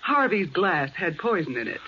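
A woman's voice: fairly low pitch, sing-song, moderate pace. An actress playing a smug, cold-blooded female blackmailer who taunts in a 1940s radio crime drama. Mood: smug, taunting. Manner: taunting, self-satisfied. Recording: muffled, noisy 1940s radio recording.

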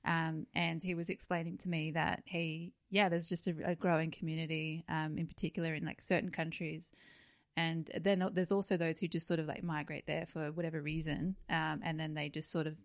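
A chatty Australian woman talks casually as a podcast guest, voice sitting a little low for a woman. She rambles with plenty of fillers and laughs. The sound is close and dry. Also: flat delivery, normal speed, gravelly, no room sound. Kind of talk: casual interview chat.

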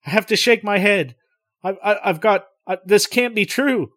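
A man's voice: high voice, moderate pace, fairly bright tone, pitched above the performer's own voice. A man reading the part of a terrified man reliving an encounter, stammering and breathless with panic.

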